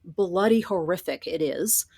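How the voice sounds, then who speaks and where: A woman's voice: fairly low pitch, expressive, a little slow, dark tone, slightly rough, dry recording, studio quality. A woman answering as an interview guest, talking conversationally about her work as a writer with emphatic asides. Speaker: guest, horror fiction writer.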